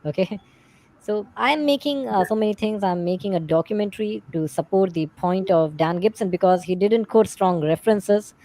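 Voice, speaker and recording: A woman with a South Asian accent, a native Urdu speaker, talking unscripted as a livestream guest in halting, repetitive English as she searches for words. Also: mid-range voice, dark tone.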